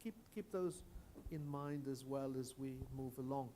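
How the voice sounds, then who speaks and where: A man's voice: mid-range voice, a little slow, dark tone, a little hiss or hum. A man chairing a conference panel, introducing speakers and posing questions, often repeating words as he begins sentences.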